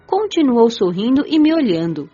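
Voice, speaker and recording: A gentle, playful young woman voiced by an actress narrates an audio drama in the first person. Her voice is fairly high and animated, slightly dulled, with faint music underneath. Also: moderate pace, breathy edge. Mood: narrating. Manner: expressive storytelling. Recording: dull band-limited audio, faint music.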